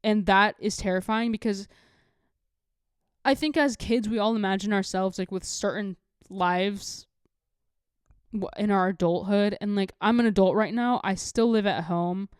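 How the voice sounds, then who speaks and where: A woman's voice: mid-range voice, steady tone, measured pace, clean tone, no room sound, studio quality. A nineteen-year-old woman hosting a podcast, talking casually and candidly to her viewers in a rambling way peppered with "like". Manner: rambling, heavy use of "like", candid. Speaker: podcast host. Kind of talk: casual confessional solo talk to viewers.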